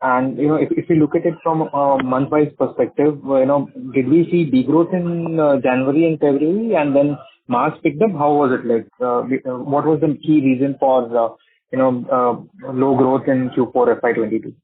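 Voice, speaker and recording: A man's voice: medium pitch, fairly even intonation, normal speed, breathy edge. Man on a narrow phone line. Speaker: financial analyst asking questions. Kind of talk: earnings call questioning. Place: conference phone call.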